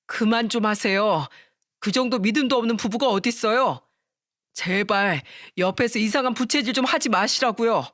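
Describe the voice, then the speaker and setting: A woman's voice: mid-range voice, expressive, moderate pace, fairly bright tone, no room sound, clean studio sound, lightly acted. A woman voicing an exasperated young husband. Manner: pleading, firm. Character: exasperated adult husband, protective of wife.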